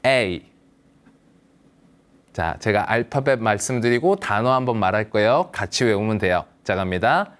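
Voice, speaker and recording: A man's voice: on the low side, lively intonation, brisk, few pauses, a bit bright, clear, resonant tone. A man teaching English pronunciation to older learners, patiently modelling words for the viewer to repeat and reassuring them. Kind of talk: slow, patient language lesson for seniors.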